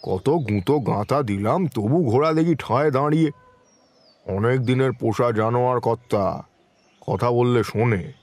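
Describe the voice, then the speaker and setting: An actor playing a glum, deferential village horse-cart driver in an audio horror drama. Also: male voice, mid-range voice, unhurried, darkish tone, dry recording. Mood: glum, apologetic. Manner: deferential, plaintive.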